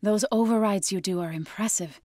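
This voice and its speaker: An actress playing an earnest, resolute tribal woman warrior and healer in a video game, speaking in measured, formal phrases. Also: medium pitch, warm tone, no echo, studio quality, lightly acted. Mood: earnest, caring. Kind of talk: game character voice lines.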